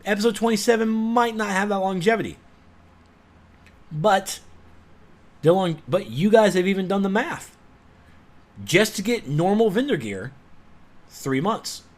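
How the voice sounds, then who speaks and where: High, animated man ranting. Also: a little slow, pauses often. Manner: exasperated, sarcastic, loud outbursts. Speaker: gaming commentator. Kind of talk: ranting video commentary.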